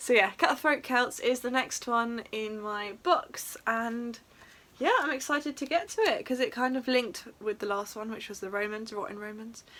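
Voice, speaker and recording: Amid noticeable background noise, a woman speaks with a fairly high pitch, ordinary pitch variation and big swings in loudness. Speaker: book vlogger. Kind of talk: casual chat. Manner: fast; halting.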